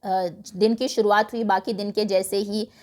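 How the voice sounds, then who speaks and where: An Indian woman teacher explaining a textbook lesson. She reads English lines slowly and then explains them in Hindi. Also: mid-range voice, little pitch movement, a little mellow.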